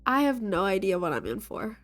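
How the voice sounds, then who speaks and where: This gaming video host, a young woman congested from a cold, reads a dating game aloud a little fast in a mid-range voice with big pitch swings. Playfully, she voices each character herself; the recording is dry, with faint game music in the background.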